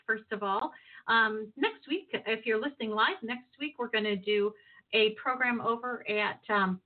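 A woman hosting a casual faith-based interview, enthusiastic and rambling, with many fillers and restarts. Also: a little high. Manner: warm, enthusiastic, loose and rambling. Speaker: host. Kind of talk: casual Christian interview chat. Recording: tinny phone-like audio.

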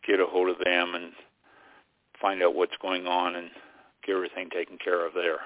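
A man's voice: low voice, completely flat delivery, normal speed, dry recording. A man co-hosting a radio talk show, chatting loosely and hesitantly about upcoming guests. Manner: rambling, unsure, hesitant. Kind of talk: casual planning chat. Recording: tinny dry phone line.

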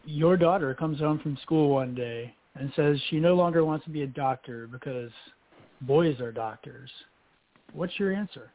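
A man hosts an interview, summing up his guest's points and asking questions in a careful, measured way. His voice is dry and close, with no room sound. It comes through a narrow, phone-like band. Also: on the high side, dry recording. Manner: summarizing and probing, measured. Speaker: radio show host.

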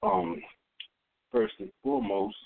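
A man teaching a guided meditation in an informal, rambling, colloquial way, in a dull lo-fi recording. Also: takes it slowly. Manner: rambling, colloquial, frequent tag questions. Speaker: meditation teacher leading a class. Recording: dull lo-fi audio.

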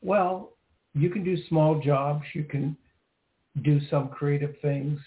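A man's voice: fairly high pitch, steady tone, slow pace. A man hosting a psychic radio show, reading numbers and asking the caller direct questions. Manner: probing, asks direct questions. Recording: tinny phone line.

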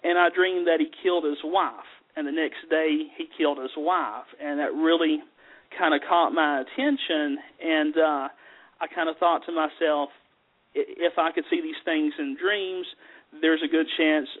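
A man's voice: on the high side, fairly even intonation, moderate pace. A man with a Southern American accent, a psychic medium guest talking in an easygoing, folksy way with many fillers. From Southern US mountains. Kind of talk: casual chat. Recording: tinny phone line.

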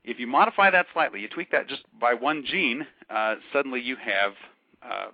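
A man co-hosting a podcast, explaining science news thoughtfully, often pausing and restarting his sentences. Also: medium pitch, lively intonation, no room sound. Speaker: podcast co-host. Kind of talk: casual discussion of science news. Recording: dull lo-fi call audio.

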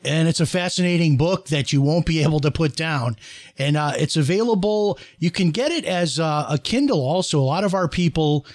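A man's voice: on the high side, brisk, dry recording, clean studio sound. Upbeat male interview host. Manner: upbeat promotional plugs. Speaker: show host. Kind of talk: radio interview hosting.

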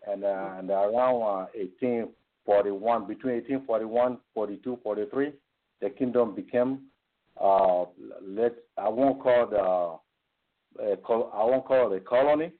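A man's voice: fairly low pitch, a little slow. Man with Ivorian accent on phone line. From Ivory Coast. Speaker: guest on a call-in show. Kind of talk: explaining history in an interview. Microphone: phone call.

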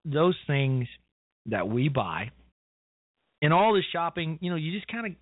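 A man's voice: a little high, sing-song, measured pace, no echo. A man in his fifties hosting an internet talk radio show, rambling casually and cutting himself off with "you know". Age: 50s. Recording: tinny phone-line audio, dry.

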